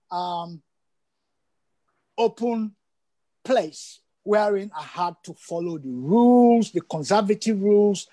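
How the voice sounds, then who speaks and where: A man's voice: sits high, dark tone. An older man from Sierra Leone, a guest on a video call interview, speaking emphatically and repeating phrases for stress. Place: indoor room at home.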